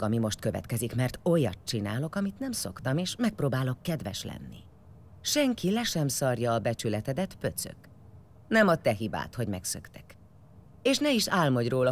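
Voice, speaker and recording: An actress playing a middle-aged, foul-mouthed tribal warrior leader in an audio drama, blunt, scornful and commanding. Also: female voice, rumbling low, exaggerated voice.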